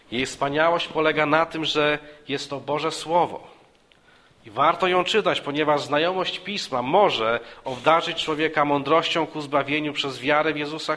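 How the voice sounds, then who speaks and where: A male preacher delivers a sermon in a bright, forceful voice. He speaks earnestly, restarting words and repeating phrases as he goes. His voice rises for emphasis, then sinks low and soft.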